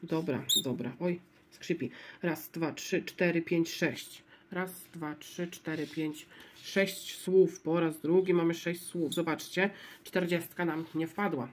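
A woman casually commenting as she scratches word-game lottery tickets, spelling out letters one at a time in a low-key murmur. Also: fairly even intonation, slow. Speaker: lottery scratch-card vlogger.

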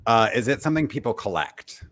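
A man's voice: mid-range voice, big pitch swings, fairly quick, fairly bright tone. A man in his thirties asking casual questions as a contestant in an online guessing game. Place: living room on a video call.

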